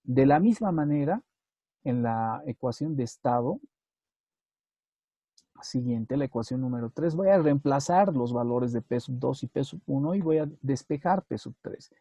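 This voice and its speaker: A man's voice: mid-range voice, expressive, measured pace, warm tone, no echo. A man giving a methodical university lecture, often checking with the students and correcting himself as he goes. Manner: methodical, repeats points and checks with tag questions; self-correcting, with hesitations. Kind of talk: recorded online lecture on queueing theory.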